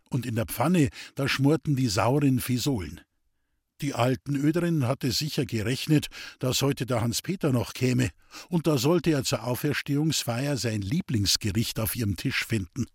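A man narrating a classic novel in a steady storytelling voice. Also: mid-range voice, normal speed, breathy edge, no echo, studio quality. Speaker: audiobook narrator.

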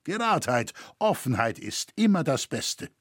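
Man voicing an upright cathedral builder, earnest and impassioned, husky tone, storybook part. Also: medium pitch, very animated, measured pace, fairly bright tone, dry recording, clean studio sound.

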